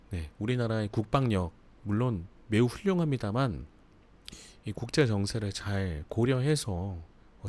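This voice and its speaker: A man's voice: lowish voice, a little mellow. A man hosting a live book review, chatting casually with frequent laughs and fillers. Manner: chatty, laughs often, filler-heavy asides. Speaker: book channel host.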